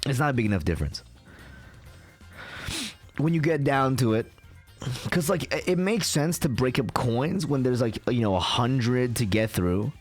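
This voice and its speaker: A man's voice: medium pitch, expressive, moderate pace, pauses often, darkish tone, soft background music. A young man from Canada ranting casually on a live stream, swearing often and filling his talk with "like".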